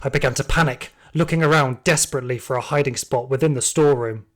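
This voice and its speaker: A man's voice: mid-range voice, fairly even intonation, quick pace, close to an everyday voice. A man playing a terrified security guard, narrating his ordeal urgently and theatrically in an audio drama. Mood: tense, frightened.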